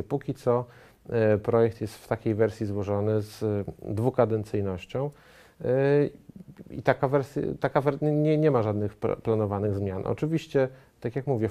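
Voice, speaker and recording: A man in his thirties, a studio guest answering interview questions in a measured way, with frequent hesitations and restarts. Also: medium pitch, mellow. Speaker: studio guest, member of parliament. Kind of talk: political TV interview. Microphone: lapel mic.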